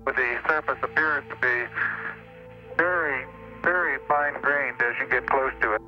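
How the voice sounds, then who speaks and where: Calm astronaut over crackly space radio. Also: male voice, medium pitch, soft background music. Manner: calm, measured reporting. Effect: crackly space radio transmission. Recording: muffled archival radio transmission.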